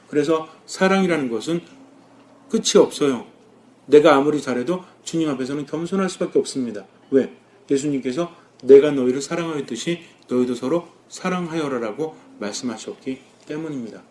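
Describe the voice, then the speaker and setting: Questioning Catholic priest giving a sermon. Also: male voice, on the high side. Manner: asks the congregation questions and answers them himself; lively, rising and dropping with emphasis.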